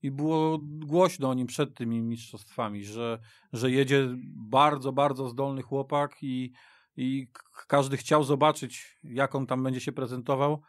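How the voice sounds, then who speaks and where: A man on a radio football panel, talking in a halting way and repeating words. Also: medium pitch, steady tone, dry recording. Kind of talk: casual chat. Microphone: studio mic.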